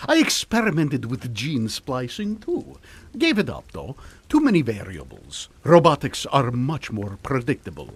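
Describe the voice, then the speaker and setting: An actor playing a genial, unflappable older scientist in a comic radio drama, with breezy, politely teasing manners. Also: male voice, medium pitch, wildly swooping pitch, a little slow, a little hiss or hum.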